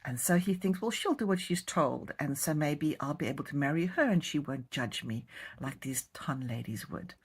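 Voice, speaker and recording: A woman's voice: low-pitched, expressive, normal speed, husky. A woman from South Africa with a South African accent, a romance author chatting to camera as she tells the story of her new book. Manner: chatty, warm storytelling of a plot summary.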